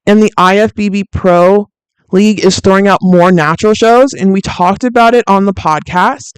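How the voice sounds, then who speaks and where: A woman with a deep, soothing voice, hosting a fitness livestream and chatting candidly with viewers, with frequent fillers and laughs. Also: moderate pace, clear, resonant tone, no echo, low-quality recording. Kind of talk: casual livestream chat reading viewer comments.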